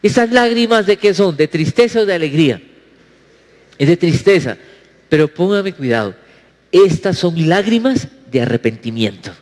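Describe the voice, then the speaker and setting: A male pastor preaching a sermon, asking his congregation questions, with sweeping swings in pitch. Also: very animated, normal speed, darkish tone, big-room sound.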